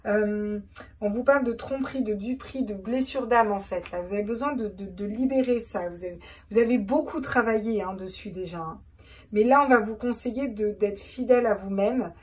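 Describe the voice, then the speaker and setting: Casual tarot reader, woman, husky higher voice, recorded slightly distant. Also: moderate pace. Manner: chatty, repeats words, laughs at herself. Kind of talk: casual tarot reading to camera.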